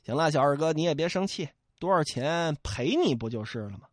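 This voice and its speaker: Man voicing a calm steady male fighter, low and firm, dry close sound. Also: brisk, dry recording. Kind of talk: storyteller voicing a character.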